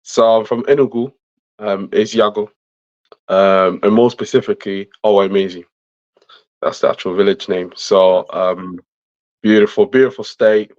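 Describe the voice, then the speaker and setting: A man's voice: fairly low pitch, steady tone, normal speed, darkish tone, dry recording, lo-fi sound. A man from Italy speaking casually as an interview guest, repeating phrases for emphasis. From Italy, born and raised. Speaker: interview guest, vice president of a community organisation.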